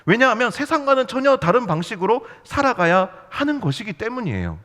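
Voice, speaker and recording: Preaching as a youth pastor, this man tells stories playfully and keeps tossing rhetorical questions at the congregation. His very high, sing-song voice runs fairly quick and sounds fairly bright, with long hall reverb filling the church sanctuary.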